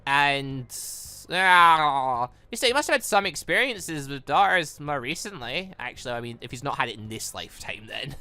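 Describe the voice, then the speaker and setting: A gaming host with an excitable, rambling, stammering delivery, reading and reacting to a story game. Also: medium pitch, moderate pace. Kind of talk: playthrough commentary, reading dialogue aloud.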